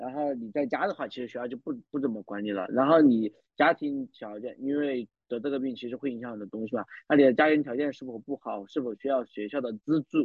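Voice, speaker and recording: This man's loudness swings widely as he talks at a very fast pace. His pitch is medium and varies in an ordinary way. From Henan, China. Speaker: student, returning guest. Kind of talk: casual chat. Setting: remote call.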